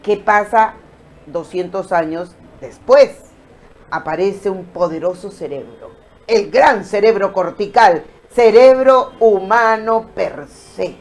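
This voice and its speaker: Expressive woman giving a motivational talk. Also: mid-range voice, slow. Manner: expressive, acts out quoted voices, addresses viewers directly. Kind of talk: motivational talk on emotions and the brain.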